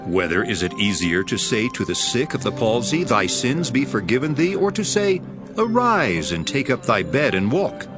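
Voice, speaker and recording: A man playing Jesus as a calm, authoritative teacher in a dramatized scripture reading, speaking in a measured, solemn way. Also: mid-range voice, close to an everyday voice. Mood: firm, reasoning. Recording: music behind the voice.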